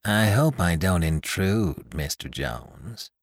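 A boozy, sneering troublemaker, as a man puts him on, who drawls his taunts in a low, loose-tongued voice. The sound is dry and close. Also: big pitch swings, a little slow, no echo, full character voice. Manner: sneering, slurred. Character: drunk, sneering male troublemaker.

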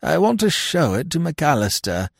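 A man's voice: fairly high pitch, big pitch swings, moderate pace, gravelly, dry recording, studio quality, voice pushed up, heavily acted. A man voicing a dreamy, benevolent elderly lord in an audiobook, murmuring absent-mindedly and repeating himself. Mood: dreamy, vague. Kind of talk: comic novel audiobook character voice.

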